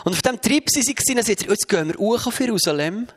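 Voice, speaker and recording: A man preaching a sermon, telling Bible stories in a lively way and acting out their voices. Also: sits high, racing, husky. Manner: lively storytelling that acts out the voices of Bible figures.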